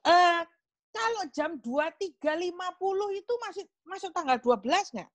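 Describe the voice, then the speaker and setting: A woman's voice: very high voice, expressive, normal speed, no echo. A woman preaching a casual sermon, chatty and acting out little dialogues. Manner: chatty, acts out dialogues with God. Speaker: preacher at a small group meeting.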